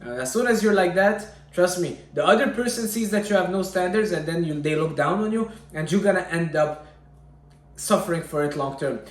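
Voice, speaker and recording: Guy from syria with a slightly high voice doing a direct pep talk advice vlog, repeats himself to drive it home, very echoey room. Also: brisk. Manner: direct, repeats phrases for emphasis, addresses listeners as guys. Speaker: vlogger giving relationship advice. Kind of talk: informal motivational advice monologue. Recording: roomy, echoing room sound.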